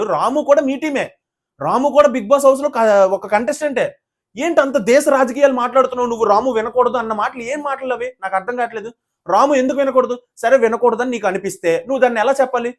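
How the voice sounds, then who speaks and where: A male video reviewer who rants with indignation and calls his viewers "brother". He talks very fast in a high voice and piles up rhetorical questions. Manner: indignant, rapid ranting, addresses viewers as brother. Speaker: YouTube reviewer of a reality show. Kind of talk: opinionated video review monologue.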